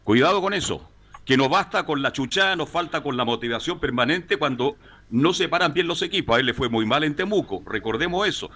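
Male panelist who presses the others, slightly high and bright. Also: animated, fairly quick. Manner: probing, moderating questions. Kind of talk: sports talk debate.

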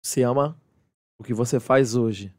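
A man's voice: medium pitch, moderate pace, a little mellow, no room sound, clean studio sound. A man hosting a podcast, talking in a reflective, casual way and often checking that his guest follows him. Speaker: podcast host. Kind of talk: casual interview chat.

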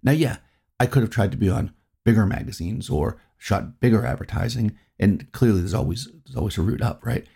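A middle-aged man from New England, the host of his own podcast, talks reflectively in a rambling way that keeps circling back. His lowish voice is creaky, mellow and slightly rough, and he sounds animated and fairly quick.

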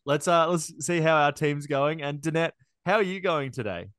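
A man's voice: fairly high pitch, normal speed, a bit bright, no echo. Enthusiastic male podcast host, dry sound. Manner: enthusiastic, friendly, fillers. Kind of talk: hosting a podcast.

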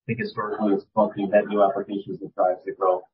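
A man asking polite, halting questions as an analyst over a video call, his audio carrying an echo. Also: lowish voice, flat delivery, a crowd in the background. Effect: echo on his audio line. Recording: muffled echoey call audio.

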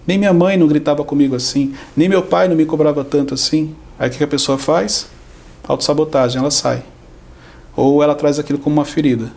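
Brazilian man, podcast guest, gravelly and brisk, teaches through acted-out quotes. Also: on the high side, fairly even intonation, a little mellow. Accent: Brazilian Portuguese. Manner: explains with everyday examples and acted-out quotes. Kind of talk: conversational teaching.

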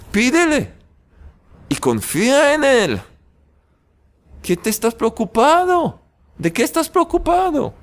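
A man preaching a sermon in an animated way, firing off rhetorical questions and leaving dramatic pauses. His voice sits high and leaps up and down in lively swings, with a slow, deliberate delivery. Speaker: religious teacher.

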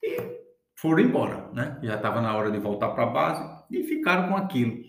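A man tells a folk tale in a relaxed, homespun manner. His voice sits at a middle pitch, and the recording carries a noticeable room echo. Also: moderate pace, creaky, a little hiss or hum. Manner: folksy, relaxed, frequent tag questions. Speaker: storyteller. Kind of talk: casual oral storytelling. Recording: echoey room.

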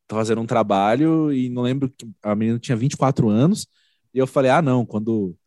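A man's voice: medium pitch, fast, dry recording. Dry-miked interviewer in his thirties. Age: 30s. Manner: chatty, animated storyteller with voiced impressions. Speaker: interviewer host. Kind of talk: casual interview chat.

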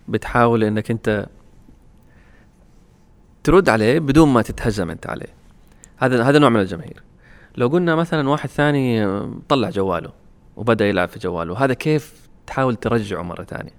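A man hosting a casual podcast, who prompts questions and sums up his guest's points. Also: fairly low pitch. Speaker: podcast host.

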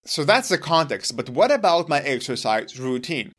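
A man whose first language is Hebrew, earnestly explaining his own exercise routine to the camera in a deliberate, emphatic way. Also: on the high side, big pitch swings, fairly bright tone. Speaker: longevity vlogger.

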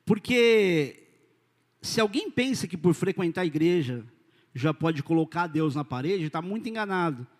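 High-voiced Brazilian pastor in a reverberant hall. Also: male voice, moderate pace. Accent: Brazilian Portuguese. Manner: informal, direct, addresses listeners as "cara" and "querido"; animated, swings between loud and quiet. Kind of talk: sermon.

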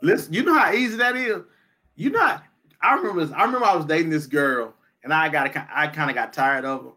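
A man's voice: on the high side, lively intonation, fast, pushed and bright. A man in his fifties co-hosting a casual chat show, talking emphatically and repeating his points like a sermon. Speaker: podcast co-host.

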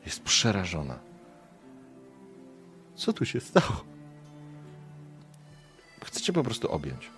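Low-voiced man narrating dramatically. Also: wildly swooping pitch, slow, pauses often, fairly bright tone, faint music behind. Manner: dramatic, vivid scene narration. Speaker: game master. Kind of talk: narrating a tabletop game.

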